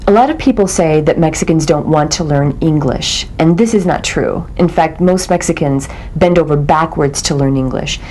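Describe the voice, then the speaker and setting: A woman states her view in measured speech. Her voice is deep for a woman and dark in tone, over a faint rumble. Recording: faint low rumbling noise.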